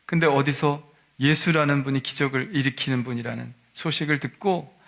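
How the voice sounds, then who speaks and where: A man's voice: medium pitch, fairly even intonation, moderate pace, gravelly, a bit bright. A male pastor preaching a Sunday sermon, retelling a scripture story and asking the congregation rhetorical questions.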